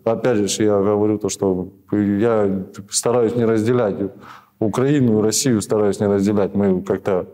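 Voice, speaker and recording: A man in his thirties, a prisoner of war being interviewed in a small office, answering in halting, rambling sentences full of restarts. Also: lowish voice, steady tone, mellow. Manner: hesitant, rambling, many restarts and fillers.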